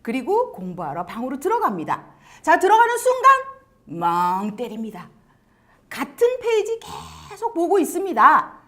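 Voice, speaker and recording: Woman, lecturer, talk to parents, high voice, animated storytelling. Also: normal speed. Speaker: education lecturer.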